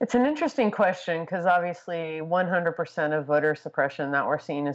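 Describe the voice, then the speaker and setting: A woman talks at a moderate pace. She has an American accent. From Texas. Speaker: political writer. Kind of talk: casual chat.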